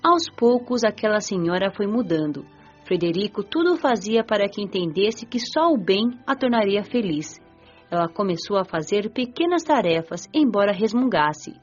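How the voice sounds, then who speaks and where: Actress as a lively young Brazilian woman spirit narrating. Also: mid-range voice, moderate pace. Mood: calm, recounting. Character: curious, gentle nineteen-year-old girl spirit narrating her afterlife. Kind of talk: scripted first-person audiobook drama narration. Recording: dull lo-fi audio, music behind.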